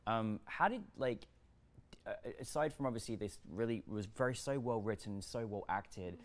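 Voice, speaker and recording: A man interviewing a filmmaker, warm and halting, often restarting and repeating words. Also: fairly low pitch, animated. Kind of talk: casual interview.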